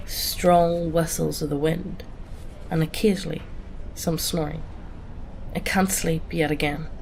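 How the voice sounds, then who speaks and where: Woman with a cold for calm horror-story narration, deep and gravelly. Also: slight background noise, poor audio. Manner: calm first-person storytelling. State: has a cold. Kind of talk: reading a greentext horror story.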